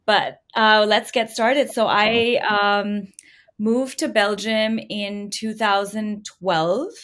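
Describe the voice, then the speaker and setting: Woman, middle-aged, from India, interview guest, conversational storytelling, average pitch. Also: a bit bright. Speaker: podcast guest, entrepreneur. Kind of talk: conversational interview answers, telling own story.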